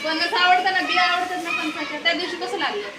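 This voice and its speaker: A woman vlogger chatting at home, telling an animated story and scolding in a casual family vlog. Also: very high-pitched, quick pace, crowd noise. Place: home indoors. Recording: echoey home room with noise.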